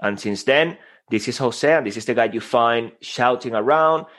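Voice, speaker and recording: A passionate man speaking English with a Venezuelan Spanish accent, his first language Spanish. He talks with energy and conviction, sometimes lifting into loud, playful bursts. His voice sits at an ordinary middle pitch. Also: normal speed. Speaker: guest, voice coach. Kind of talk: energetic conversational interview.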